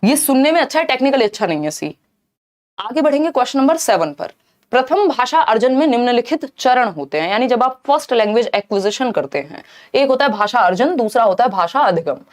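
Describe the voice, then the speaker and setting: A woman teacher giving a live online exam-prep lesson, explaining lively and often checking in with her viewers. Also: fairly high pitch, a little fast. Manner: mixes Hindi with English terms.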